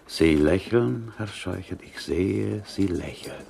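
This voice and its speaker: An actor playing a fretful, devout Jewish butcher in prison in a radio play, with Yiddish-inflected German and a plaintive singsong. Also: male voice, low voice, slow pace, creaky, a little mellow, heavily acted. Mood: brooding, absorbed. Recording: hissy, clicky 1970s radio recording.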